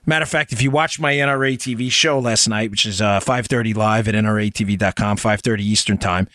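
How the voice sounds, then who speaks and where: A man's voice: lowish voice, fast talker, pushed and bright, dry recording, clean studio sound. A man hosting a political talk show in an emphatic, insistent monologue, firing rhetorical questions at his listeners.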